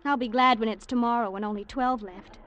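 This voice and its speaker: A woman's voice: on the high side, fairly even intonation, fairly bright tone, natural voice. A woman playing a teasing young bride-to-be. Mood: playful. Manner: teasing, affectionate, quick. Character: playful young woman engaged to be married. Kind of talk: 1940s radio acting.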